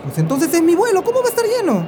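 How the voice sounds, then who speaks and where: An indignant female passenger played by an actress protests in a high voice that swings widely. It is an acted radio-spot dialogue over noisy ambience. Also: big pitch swings, fairly quick. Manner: exclamatory, protesting. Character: indignant airline passenger demanding her rights.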